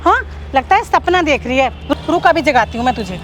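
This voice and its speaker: A woman's voice: high voice, animated, brisk. An actress playing a scolding older woman who disbelieves and rebukes the young woman. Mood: incredulous. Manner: scolding, incredulous. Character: sharp-tongued older woman, mother-in-law or aunt.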